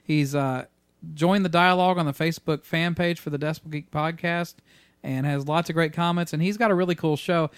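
A man's voice: a little high, fairly even intonation, a little fast, clean tone, dry recording. A man co-hosting a rock podcast, chatting casually with lots of fillers and easy laughter. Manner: rambling, laughs easily, many fillers. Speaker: podcast co-host. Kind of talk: casual chat.

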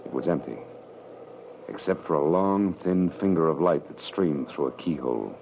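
A low-voiced, hard-boiled American private eye in a vintage radio drama. He is wry and terse, narrating and talking in slangy, tough phrases. The old recording is noisy and muffled. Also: lively intonation, moderate pace, vocal fry, exaggerated voice. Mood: grim, wry. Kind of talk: 1940s radio drama acting, first-person narration.

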